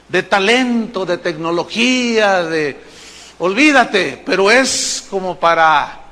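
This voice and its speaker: A man preaching a sermon, telling a story with animated voices for the people he quotes. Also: high voice. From Mexico. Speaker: pastor. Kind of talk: sermon with acted-out anecdote.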